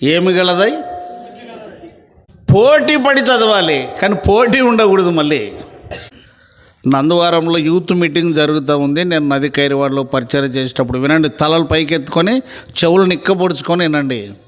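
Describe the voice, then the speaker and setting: A male pastor preaching with a notably high voice in a church meeting. He talks sternly, then rises to emphatic declarations. The sound carries a long reverb from the hall. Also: moderate pace. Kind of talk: sermon.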